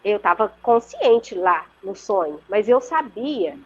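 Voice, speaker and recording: This interview guest, a woman with a Brazilian Portuguese accent, narrates a story over a video call, very animated yet slow-paced, earnest and vivid, and she regularly checks in with her listener. Her voice is medium-pitched and slightly rough, and the call audio is muffled and lo-fi.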